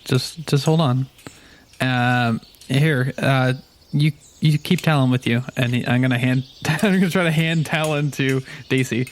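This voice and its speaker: A man's voice: medium pitch, fairly even intonation, measured pace, slight background noise. A man chatting casually as a player in a tabletop roleplaying game.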